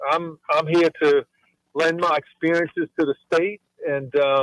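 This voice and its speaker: This is a man with an ordinary speaking voice at a fairly high pitch, heard in a dry, close sound with no echo. He talks at a fairly slow pace and keeps his loudness very even. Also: fairly even intonation. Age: 60s. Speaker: gubernatorial candidate. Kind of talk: interview.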